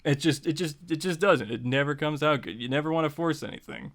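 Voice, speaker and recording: A man's voice: fairly high pitch, brisk, a bit bright. A man hosting a tutorial in a casual, conversational way, informal and repeating phrases for emphasis. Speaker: host of a tutorial series. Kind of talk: casual, conversational writing lesson.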